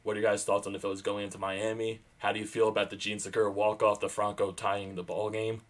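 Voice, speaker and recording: A young man with a fairly low voice talks through the game from a small room at home, speaking into his webcam. He swings from calm to loud, excited bursts on the big plays. His throat is sore and his voice is starting to go. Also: fast, slight background noise. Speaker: sports vlogger. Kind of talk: excited fan game recap.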